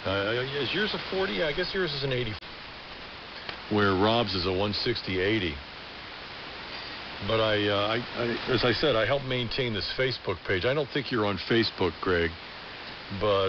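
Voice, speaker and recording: Male ham operator, lower register, explanatory and a bit halting, muffled shortwave sound with clear hiss. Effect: AM shortwave radio transmission. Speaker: amateur radio operator. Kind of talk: casual technical chat over ham radio. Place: amateur radio station, heard through a receiver. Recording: muffled, hissy shortwave radio reception.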